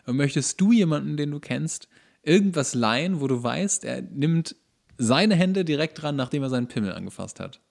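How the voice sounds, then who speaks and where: A man's voice: on the high side, expressive, moderate pace, vocal fry, a little mellow. A man chatting casually as a podcast co-host, hesitant and often repeating the starts of his phrases. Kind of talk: casual comedic podcast banter.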